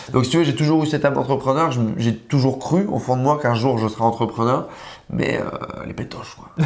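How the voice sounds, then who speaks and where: Over noticeable background noise and audible room echo, a man speaks at a moderate pace in a medium pitch, with ordinary pitch variation and big swings in loudness. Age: 20s. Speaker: online entrepreneur. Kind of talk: casual interview. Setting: in person.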